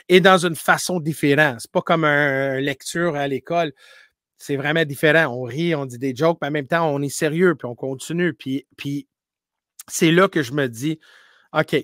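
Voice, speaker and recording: A man who grew up speaking English, talking in as a paranormal streamer in a casual interview, telling animated stories full of restarts and English words. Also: fairly high pitch, dry recording, studio quality. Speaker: paranormal live streamer, guest.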